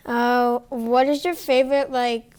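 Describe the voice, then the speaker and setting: A woman's voice: on the high side, fairly even intonation, a little slow, a little mellow, clear, resonant tone. A woman interviewing someone, asking her questions hesitantly with uhs and likes.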